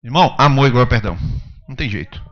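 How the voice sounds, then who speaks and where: A man's voice: medium pitch, expressive, very fast, fairly bright tone, highs cut off. A male pastor preaching a sermon, emphatic, pressing the congregation with rhetorical questions.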